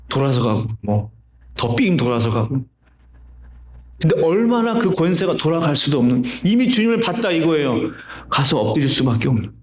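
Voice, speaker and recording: A man's voice: on the high side, a little mellow. A man preaching a sermon as pastor, telling stories and asking the congregation rhetorical questions. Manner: conversational storytelling with rhetorical questions. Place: church sanctuary. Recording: roomy church reverb.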